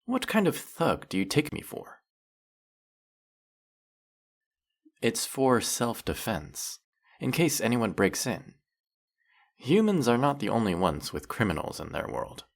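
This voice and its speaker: A man's voice: sits low, vocal fry, exaggerated voice. A man playing a teasing, sarcastic, flirtatious male faerie in a scripted roleplay monologue, scolding the listener with dry, theatrical playfulness. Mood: indignant, explaining.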